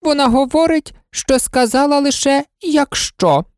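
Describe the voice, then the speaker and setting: A woman voicing the Red Queen, an imperious and impatient queen who scolds and commands, in a storybook reading with a high, loud voice. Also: animated, measured pace, no echo, clean studio sound. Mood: lecturing. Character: bossy, imperious older queen.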